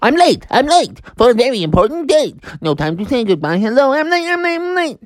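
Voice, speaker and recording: A man's voice: very animated, brisk, no echo, studio quality. A man voicing a frantic, fretful white rabbit in a children's story, stammering and repeating himself in a strained voice. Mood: flustered, hurried. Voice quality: high-pitched, strained.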